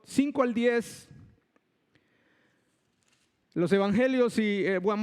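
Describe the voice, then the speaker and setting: Man, very high voice, slow deliberate preaching, long hall reverb. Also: a little mellow. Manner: slow, emphatic preaching with repeated phrases. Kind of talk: sermon. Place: church hall.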